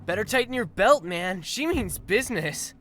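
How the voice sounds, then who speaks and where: A man playing an excitable young male sidekick in a fan audio drama. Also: high voice, normal speed. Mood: teasing.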